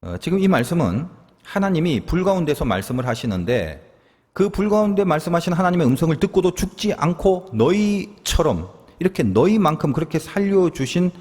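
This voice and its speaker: A man's voice: on the high side, big pitch swings, fairly quick, darkish tone. A man preaching a sermon as pastor, talking animatedly and acting out quoted lines. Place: church sanctuary. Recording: long reverb of a church hall.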